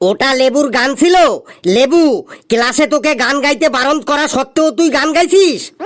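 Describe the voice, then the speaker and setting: A cartoonish character voice at a high pitch and a moderate pace. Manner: stern, threatening.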